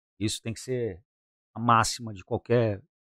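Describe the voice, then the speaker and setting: A man talks at a medium pitch in an ordinary speaking voice. The recording is very clean with a silent background and has a dry, close sound with no echo. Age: 50s. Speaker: podcast co-host, ex-military. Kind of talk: casual interview chat.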